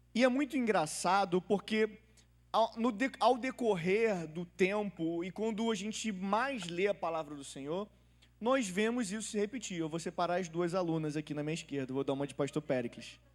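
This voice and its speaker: With a high pitch, a lively intonation and an animated tone, a man speaks. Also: moderate pace, very clean recording, silent background. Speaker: pastor. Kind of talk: sermon.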